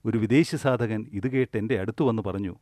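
A man giving a spiritual discourse as a meditation teacher. He speaks in a measured way, repeats key phrases and asks rhetorical questions. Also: fairly low pitch, a little mellow, no room sound, clean studio sound.

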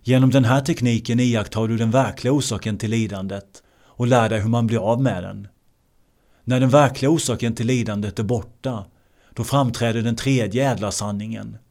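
A man teaching meditation in a measured way, often repeating key words. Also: mid-range voice, steady tone, a little mellow. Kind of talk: translated meditation discourse.

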